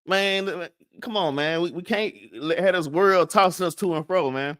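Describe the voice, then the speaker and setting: A man teaches a casual scripture lesson at a moderate pace in a high, fairly bright voice with a Southern US accent. Stuttering and frequent restarts mark his speech, along with tagged-on "man" and "all right?" The studio-quality audio has no echo.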